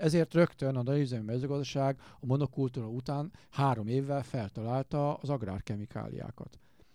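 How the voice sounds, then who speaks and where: With hardly any pauses, a man talks at medium pitch in a dark, mellow tone. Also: ordinary pitch variation, moderate pace. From Hungary, Dombóvár (Baranya/Tolna region). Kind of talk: podcast interview. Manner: halting with many fillers and repetitions.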